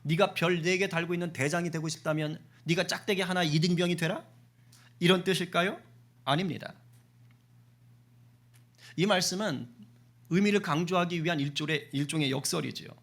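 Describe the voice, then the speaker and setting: A man with a high, bright voice delivers a Sunday sermon in a church. He preaches in a lively way, putting questions to the congregation and acting out short bits of dialogue. His tone stays clear and ringing. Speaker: senior pastor. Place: church sanctuary.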